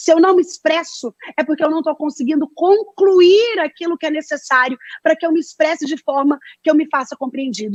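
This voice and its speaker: A woman speaks at a moderate pace with a high pitch and ordinary pitch variation. The sound is dry and close with no echo. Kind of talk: lecture.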